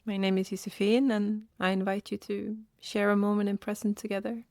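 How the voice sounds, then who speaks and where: A woman guides a meditation, speaking gently and leaving long pauses between short phrases. Her voice has a noticeable creak at a middle pitch. The sound is very dry, with no room around it. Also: little pitch movement, no echo.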